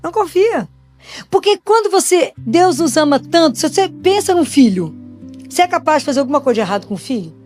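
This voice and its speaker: A woman's voice: high-pitched, lively intonation, quick pace, darkish tone, soft background music. A Brazilian woman preaching a sermon in a conversational way, asking many rhetorical questions. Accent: Brazilian Portuguese. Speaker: Catholic speaker and pediatrician. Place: church gathering after communion.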